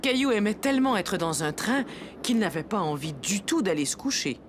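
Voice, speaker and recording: A woman playing a gentle storyteller, narrating a children's cartoon in a storybook manner. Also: mid-range voice, big pitch swings, normal speed, noisy background, lightly acted.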